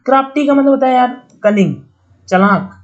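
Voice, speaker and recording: A man's voice: very high voice, a little fast, muffled recording. A man giving a casual online vocabulary lesson for exam students. He explains words with joking memory tricks and talks to viewers like a friendly older brother.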